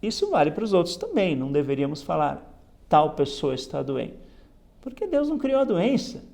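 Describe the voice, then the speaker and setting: A man's voice: fairly high pitch, huge pitch swings, a little fast, creaky, dark tone. A man explaining a Bible lesson in a reflective way, reading passages aloud and adding "né?" as he goes. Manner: reflective, repeats "né?" often, reads passages then explains. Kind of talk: spoken Bible lesson commentary.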